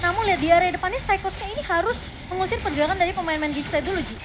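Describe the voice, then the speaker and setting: Fast, high-pitched Indonesian female esports caster. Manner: chatty, explanatory, mixes in English game terms. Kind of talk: esports caster commentary, analysing plays beside a co-caster. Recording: clear noise behind the commentary.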